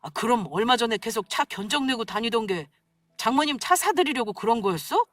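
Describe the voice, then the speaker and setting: A grown husband, petty and defensive, blusters through his complaints in a story reading, as a woman acts him out. The voice rides a fairly high, lively pitch. The sound is close and dry. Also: a little fast, no room sound, natural voice. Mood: indignant.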